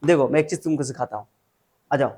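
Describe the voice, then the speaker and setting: A medium-pitched male voice, quick and slightly rough with a darkish tone, belongs to a chemistry teacher giving an informal tutoring session. He blends English terms into Hindi, repeats formulas, and scolds his pupil.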